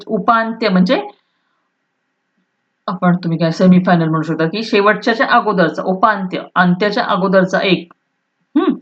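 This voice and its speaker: A woman's voice: lowish voice, a bit bright, dull audio. A woman teaching a school Marathi lesson, explaining step by step, repeating key terms and asking if students follow, sometimes restating points in Hindi.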